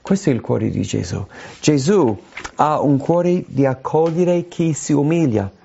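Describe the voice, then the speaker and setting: Guy preaching a sermon, earnest and emphatic, gravelly voice, kinda muffled lo-fi audio. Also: on the high side, expressive, warm tone. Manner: earnest, emphatic, slowing on key phrases. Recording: dull lo-fi sound.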